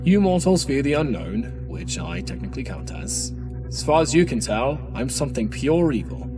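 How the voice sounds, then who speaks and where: A man's voice: medium pitch, sing-song, lightly acted. Man acting a theatrical, wildly swooping trickster demon. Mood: coaxing, impatient. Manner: theatrical, mock-polite, teasing, drawn-out words. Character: otherworldly trickster demon hedgehog, male, smugly playful, menacing. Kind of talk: comic dub voice acting. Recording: loud music under the voice. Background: music.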